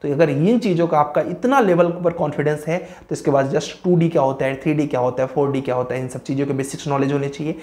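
A man's voice: on the high side, fast talker, hardly any pauses, darkish tone. Male engineering teacher, casual advice lesson, list-driven, drops English terms into his talk. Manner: explains through lists and checks in with "okay". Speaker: civil engineering educator. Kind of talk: informal career-advice lesson.

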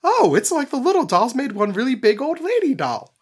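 A man's voice: very high-pitched, huge pitch swings, fairly quick, breathy edge. A man joking around at a tabletop game recording, often stammering and laughing between lines. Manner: stammering, giggly, self-interrupting. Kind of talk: casual banter at a recording session.

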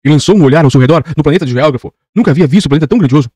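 A man's voice: on the high side, lively intonation, very fast, a little mellow, dry recording. A man narrating a children's novel as an audiobook, reading steadily with occasional slips.

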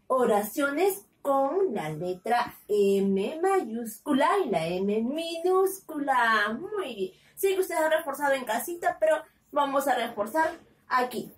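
High-pitched teacher lady stretching out every word for little kids, roomy echo. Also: big pitch swings. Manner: drawn-out, syllable-by-syllable dictation. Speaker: kindergarten teacher. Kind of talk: slow, sing-song class lesson for small children. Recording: echoey room, slightly distant from the mic.

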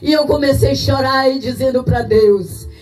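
A woman's voice: sits high, normal speed, darkish tone. A middle-aged woman with a Brazilian Portuguese accent giving a tearful church testimony in a sing-song preaching cadence. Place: church service. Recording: distant mic with faint music.

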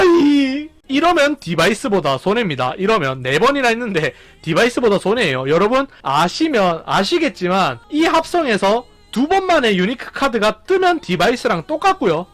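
Male gaming streamer: high, bouncy voice full of countdowns and shouts, over soft game music. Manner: animated, counting down and exclaiming loudly. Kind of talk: excited gameplay commentary.

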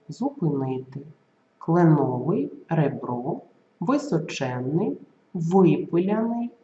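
Lively teacher voice in a roomy room. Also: mid-range voice. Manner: slow, careful enunciation of example sounds and words. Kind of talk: school video lesson. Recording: roomy, slightly dull recording.

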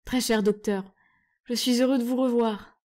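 A woman's voice: fairly high pitch, fairly even intonation, moderate pace, warm tone, voice pushed up, close to an everyday voice. A woman voicing a young male king giving orders in a storybook reading. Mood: commanding. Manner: commanding, proclaiming.

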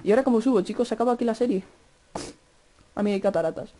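Fast-talking young Spaniard gaming. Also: male voice, sits high. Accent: Spain Spanish. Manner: fast-talking, chatty, cursing and shouting at game mobs. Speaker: gaming youtuber. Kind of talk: Minecraft gameplay commentary.

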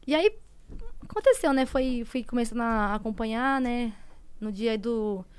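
A woman in her thirties with a Brazilian Portuguese accent, a podcast guest telling a personal story in a conversational way, often dropping to soft, hushed tones. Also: on the high side, expressive, a little slow, clear, resonant tone.

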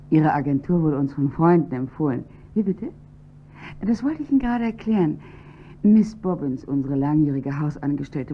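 An actress playing a poised, wealthy wife in a radio crime play, polite on the phone and cold to an intruder. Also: female voice, low-pitched, breathy edge. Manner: poised, then sharp and commanding. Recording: dull lo-fi radio recording with faint hum.

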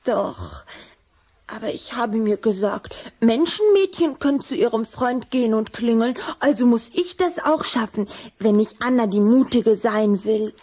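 A woman's voice: on the high side, expressive, measured pace, mellow, breathy edge. A woman playing a bold, affectionate young vampire girl in a children's audio drama, eager and girlish. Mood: proud, coaxing.

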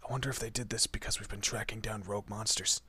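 Guy voicing a monster detective dude, raspy n low, teasing but protective, casual horror roleplay, super dry close sound. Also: steady tone, fast talker, sharp tone, no echo, full character voice. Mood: intrigued, dry. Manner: casual, teasing, muttered asides. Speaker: voice actor in an audio roleplay. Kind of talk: horror roleplay audio drama, addressing the listener.

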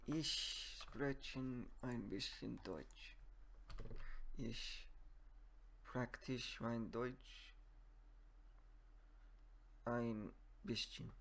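A man, talking haltingly in broken as he searches for words in a self-recorded practice video. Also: medium pitch, creaky, fairly bright tone, slight background noise. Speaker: language learner vlogger.

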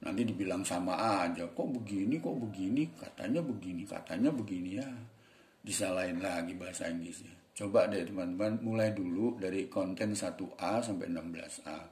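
A man teaching English in a chatty, encouraging way, sometimes reading English lines slowly and deliberately. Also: low-pitched, darkish tone, reverberant. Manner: chatty, encouraging, colloquial Jakarta slang. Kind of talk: casual spoken English lesson.

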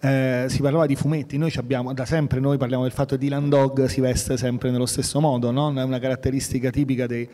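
Male moderator, mellow dark tone, calm retelling, hall reverb. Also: mid-range voice, quick pace, hardly any pauses. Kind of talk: festival panel talk.

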